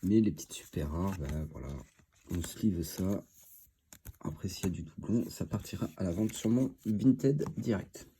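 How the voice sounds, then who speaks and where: A man's voice: low-pitched, measured pace, warm tone, slight background noise. A man with a cold and a stuffy voice, chatting casually as he opens trading card packs, thinking aloud with lots of fillers. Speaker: card-opening video host. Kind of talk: casual commentary while opening card boosters.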